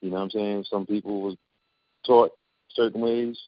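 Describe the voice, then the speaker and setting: This man speaks with a Philadelphia accent. His pace is fairly quick. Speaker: retired boxer. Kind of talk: interview.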